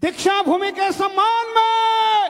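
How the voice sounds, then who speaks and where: An extremely high-pitched man's voice in a flat monotone. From Maharashtra, Amravati district. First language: Marathi (speaking Hindi). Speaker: folk performer. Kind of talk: rally speech with slogans. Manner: loud.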